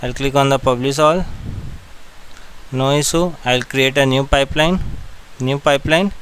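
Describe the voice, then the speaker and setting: A man with an Indian accent narrating a step-by-step software tutorial in short, repeated directions. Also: mid-range voice, moderate pace, slight background noise, poor audio.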